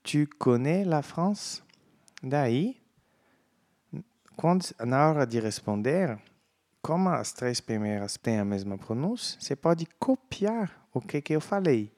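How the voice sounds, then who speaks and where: A man with a Brazilian Portuguese accent, teaching a French lesson and slowly modeling each phrase clearly. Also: mid-range voice, very animated, a little mellow. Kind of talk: language lesson.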